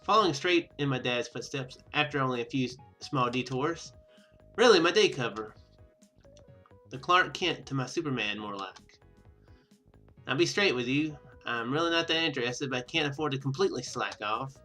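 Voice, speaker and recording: A man's voice: mid-range voice, animated, moderate pace, sharp tone, soft background music. A man voicing a determined young female student and secret fighter in a visual novel game, earnest and confiding.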